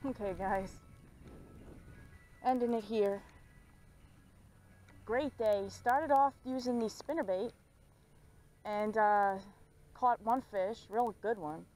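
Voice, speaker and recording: A young woman chatting excitedly while fishing at a pond, filmed on a head-mounted action camera. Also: medium pitch, slow, pauses often, faint music behind. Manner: excited, chatty, laughs often. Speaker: fishing vlogger. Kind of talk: casual commentary while fishing. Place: outdoors at a pond bank.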